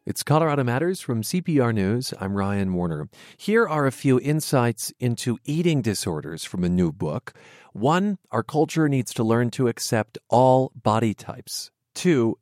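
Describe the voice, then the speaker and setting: A man hosting a public radio news program, with measured, crisp broadcast delivery into a studio microphone. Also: medium pitch, darkish tone, no echo. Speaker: radio host. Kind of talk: public radio interviewing and reading.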